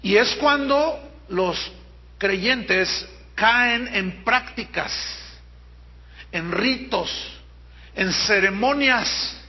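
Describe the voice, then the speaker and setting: Mexican pastor, high husky voice, emphatic sermon delivery, drawn-out stresses, dull lo-fi recording. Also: male voice. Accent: Mexican Spanish. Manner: emphatic preaching, drawn-out stresses, mimics people. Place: church auditorium.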